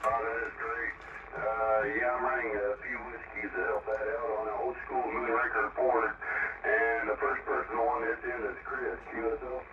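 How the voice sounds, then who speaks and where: An American man talks haltingly as a casual CB radio operator, using radio jargon. His transmission is squeezed into a very narrow band and sounds distant, with clear echo around it. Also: medium pitch, flat delivery. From southern Ohio, United States. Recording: narrow, noisy radio signal, distant and echoey.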